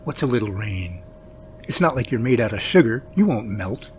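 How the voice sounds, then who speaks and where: A man's voice: fairly low pitch, expressive, moderate pace, a little hiss or hum, natural voice. A man playing an easygoing field researcher who coaxes playfully, in an amateur audio drama. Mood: coaxing.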